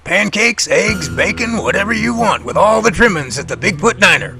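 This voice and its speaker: Earnest male researcher played by an actor: gravelly, forceful, emphatic and self-assured, light music bed. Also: high voice, animated, normal speed, exaggerated voice. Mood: friendly, relaxed. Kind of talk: audio drama dialogue.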